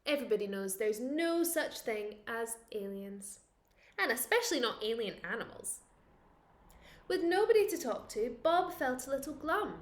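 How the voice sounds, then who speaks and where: A woman reads a children's picture book aloud like a teacher at storytime, expressive and playful. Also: a little high, reverberant. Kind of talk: animated children's storytime reading.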